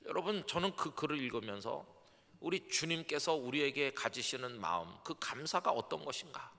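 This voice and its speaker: A middle-aged male pastor gives a dawn sermon, moving between soft storytelling and emphatic preaching. His voice is gravelly with a bright, forceful edge. The sound carries a long church-hall reverb. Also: medium pitch, lively intonation, moderate pace. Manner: acts out quoted voices, swings from soft to emphatic. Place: church sanctuary.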